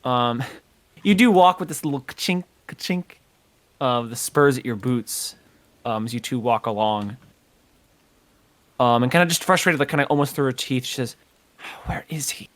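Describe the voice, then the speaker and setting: A man's voice: medium pitch, expressive, normal speed, pauses often. A man narrating as game master of a tabletop game, hesitant and full of filler words. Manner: hesitant, full of ums and kinda.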